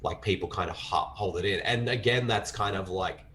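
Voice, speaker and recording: A man's voice: deep voice, brisk, fairly bright tone, slight background noise. An Australian man chatting casually as a film reviewer, enthusiastic and rambling, with lots of filler words.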